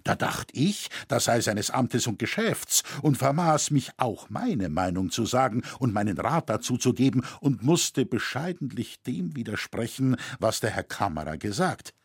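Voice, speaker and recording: Expressive husky male audiobook narrator. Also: mid-range voice, moderate pace, hardly any pauses, no room sound, studio quality. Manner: expressive storytelling. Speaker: audiobook reader. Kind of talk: scripted narration of a historical novel.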